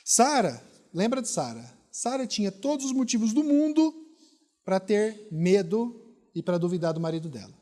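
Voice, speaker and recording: A middle-aged Brazilian pastor with a Brazilian Portuguese accent preaches a sermon, hammering home repeated rhetorical questions. His voice is high-pitched, very animated and mellow, at a normal speed. The church hall adds a long reverb.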